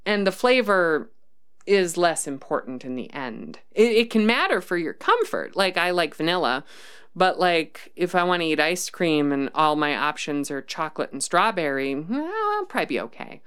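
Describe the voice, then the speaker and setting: A woman's voice: sits low, expressive, normal speed, a bit bright, smooth. A woman hosting a casual livestream, reading chat comments and thinking aloud with many ums and restarts. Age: adult, worked as a developer.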